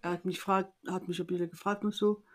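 Speaking quickly in a fairly low pitch, a French woman in an interview relates a personal story animatedly. She acts out the voices of those she quotes and often begins her sentences again.

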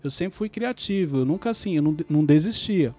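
A man's voice: on the high side, quick pace, faint music behind. A man, telling stories from his own life as a podcast guest and acting out past conversations. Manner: animated, acts out remembered dialogue. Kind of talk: storytelling in a podcast interview.

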